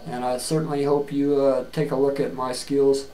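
A middle-aged man giving a plain-spoken, earnest video resume, halting often with fillers and restarts, recorded on a webcam in a small room. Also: mid-range voice, flat delivery, dark tone, a little hiss or hum. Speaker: job seeker. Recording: echoey room with faint ambience.

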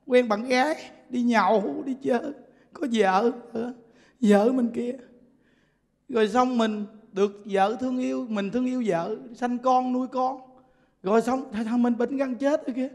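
High-voiced man preaching in a reverberant hall. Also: measured pace. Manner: animated, laughing storyteller. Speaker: Buddhist preacher. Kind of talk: sermon.

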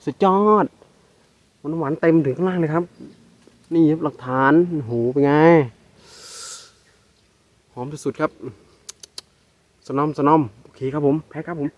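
A man with a Northeastern Thai accent narrating a casual outdoor vlog while he harvests wild bee nests, exclaiming excitedly and calling his viewers brothers and sisters. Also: a little high, normal speed, pauses often, dull audio. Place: outdoors in rural scrubland.

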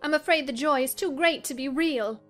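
A woman voicing an excitable, headstrong young wife in a dramatised classic novel reading. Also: high voice, normal speed, soft background music, pitched above the performer's own voice. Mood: eager, teasing. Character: excitable, headstrong young married lady, breathlessly joyful.

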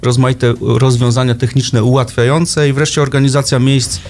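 A man's voice: medium pitch, level tone, moderate pace, a little mellow. A man taking part as a guest in a radio interview, listing points hesitantly with many fillers. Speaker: guest official. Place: radio studio.

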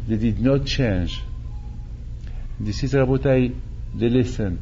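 Older man delivering a slow, dark-toned sermon. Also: medium pitch, muffled recording, slight background noise. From Morocco. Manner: animated, gesturing, repeats phrases and acts out quotes. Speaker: rabbi. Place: synagogue hall, indoors. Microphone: stand mic at chest.

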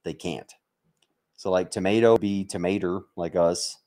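This livestream host, an American military veteran from Mississippi, talks with his viewers in a low, slightly mellow voice that is steady in tone and unhurried. He banters and jokes, blunt and quick to swear.

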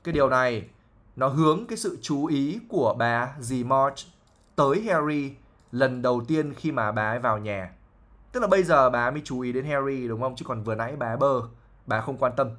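A man's voice: mid-range voice, fairly quick, a bit bright. A man, an English teacher patiently explaining a novel line by line, with fillers and frequent checks for understanding.

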